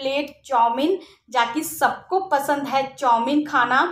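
A woman uses a raised, projected voice with a bright, sharp tone. She speaks very slowly, and the room echo is audible. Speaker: food vlogger. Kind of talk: casual vlog chat. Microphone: phone near.

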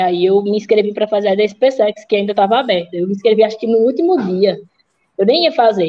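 Her voice is fairly high for a woman, with ordinary pitch variation. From Petrolina, Pernambuco, Brazil. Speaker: exam candidate who passed the military school entrance exam, former student. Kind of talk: casual interview chat, testimonial. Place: home room. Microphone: video call.

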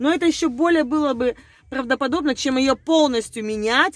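A woman speaks at a fairly quick pace in a high pitch, her intonation lively and her tone animated, with a dry sound and no echo. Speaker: video blogger. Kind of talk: casual vlog monologue. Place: car. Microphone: phone near.

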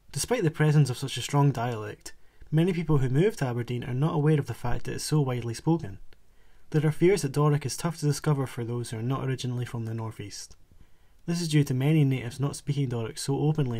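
Talking at a very fast pace, a man has a dark, mellow, somewhat breathy tone. His pitch is medium with ordinary variation. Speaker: student. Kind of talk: scripted narration. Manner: formal.

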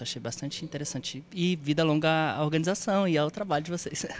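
Light background noise sits under a dry sound with no echo. A man delivers his words fairly quickly, with ordinary pitch variation. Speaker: teacher. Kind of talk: interview testimonial. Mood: positive, appreciative. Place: street. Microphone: handheld.

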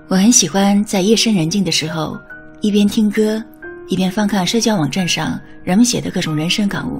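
Music in the background behind a gentle, calm tone, ordinary pitch variation and a fairly quick pace. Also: woman, medium pitch for a woman. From China. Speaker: Chinese teacher and radio-style narrator. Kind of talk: soothing late-night radio reading. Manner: soft, gentle, calm.

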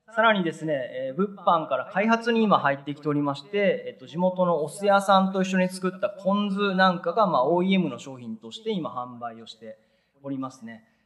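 This man speaks at a fairly quick pace in a high pitch, with lively intonation and big swings in loudness. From rural Japan. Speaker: rural entrepreneur; presenter. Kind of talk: conference presentation. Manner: formal. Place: hall.

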